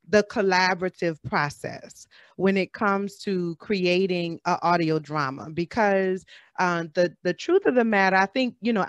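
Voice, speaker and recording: A woman's voice: on the low side, dry recording, studio quality. A woman hosting a casual panel discussion over a video call, chatty and informal. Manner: chatty, calls listeners "girl" and "y'all". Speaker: panel host.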